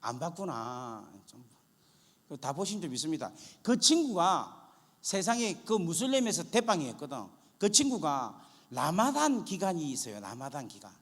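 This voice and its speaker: A male pastor preaching a testimony sermon, acting out prayers and conversations, dropping to a hush and then rising to loud cries. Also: a little high, big pitch swings, moderate pace, breathy edge, in a large hall. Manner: dramatic, acts out prayers and dialogue, swings from hushed to loud. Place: church sanctuary.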